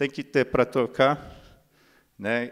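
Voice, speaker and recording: A man's fairly even intonation and moderate pace stand out against a quiet background. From São Paulo, Brazil. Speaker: cultural manager and columnist; speaker, cultural educator. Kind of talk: panel talk. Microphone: handheld.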